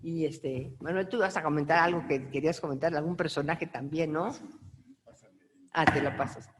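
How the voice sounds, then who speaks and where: A woman's voice: low-pitched, moderate pace, crowd noise. Mexican woman speaking in a reverberant hall. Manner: conversational, checks in with the audience. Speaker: book author at a presentation. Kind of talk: spoken remarks at a book presentation.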